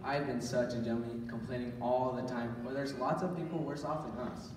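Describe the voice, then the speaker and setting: A man's voice: medium pitch, steady tone, normal speed, close to an everyday voice. Young man acting cheeky boy, very echoey. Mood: eager. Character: eager, teasing eleven-year-old boy, little brother. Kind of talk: scripted stage radio play acting. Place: large church auditorium, recorded from the audience. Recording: echoey hall from far off, faint noise.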